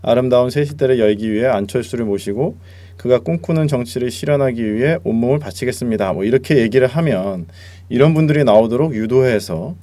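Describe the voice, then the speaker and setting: A man's voice: mid-range voice, brisk, mellow. A polite man moderating a live talk show and reading out viewer questions. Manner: polite, frequent short acknowledgements.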